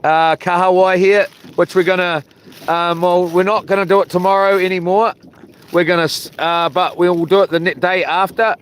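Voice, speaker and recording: Hosting a fishing livestream outdoors from a small boat, a man with a broad Kiwi accent chats in an easygoing, rambling way. His high-pitched voice barely moves in pitch, and his speed is normal. The recording clearly picks up the boat and the water.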